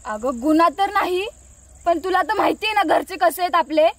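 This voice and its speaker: An actress playing a sharp-tongued younger sister with a Marathi accent, teasing and scolding. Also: female voice, extremely high pitch, animated, moderate pace, heavily acted. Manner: teasing, bossy.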